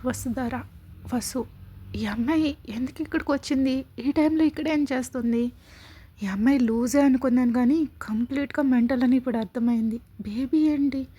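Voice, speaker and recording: A woman's voice: sits high, moderate pace, mellow, slightly rough. A woman voicing an irritated young man grumbling in his head, in a storybook reading. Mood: exasperated. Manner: exasperated, muttering to himself. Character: irritated young man, muttering inner thoughts.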